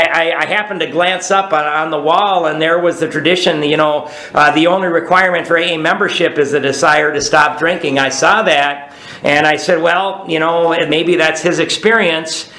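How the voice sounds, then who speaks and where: A man's voice: fairly high pitch, fairly even intonation, moderate pace, sharp tone, reverberant, low-quality recording. A man talking casually about his recovery, rambling with many restarts and asking "right?" to check in with his listeners. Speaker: recovery speaker. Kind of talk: recovery talk.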